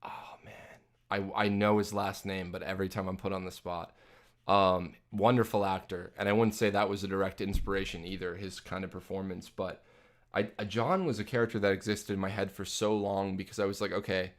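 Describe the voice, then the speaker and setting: A man's voice: low-pitched, steady tone, brisk. A young man hosting a casual live Q&A, reading out chat questions and answering in a rambling way with lots of ums and restarts. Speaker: livestream host answering chat. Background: jazz playing from a phone.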